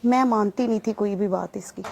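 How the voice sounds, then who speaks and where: A woman giving a personal testimony in an interview, telling her story with lively acted-out dialogue. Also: medium pitch, gravelly. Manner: animated storytelling, acting out remembered dialogue.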